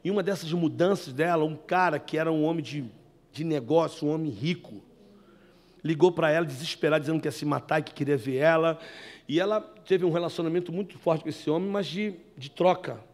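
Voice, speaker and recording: High-voiced preacher man. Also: a little fast. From Brazil, Rio de Janeiro. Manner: animated, storytelling, addresses listeners as brothers. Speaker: evangelist giving testimony. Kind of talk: sermon testimony. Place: indoor meeting room.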